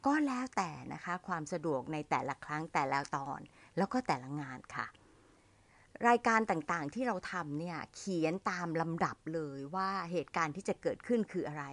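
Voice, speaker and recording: A middle-aged woman teaching how to host events in a friendly spoken lesson, slowing down to model English phrases with a Thai accent. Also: fairly low pitch, lively intonation, dry recording. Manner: friendly, addresses listeners as younger siblings, slows to model English phrases. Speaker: MC trainer teaching younger listeners.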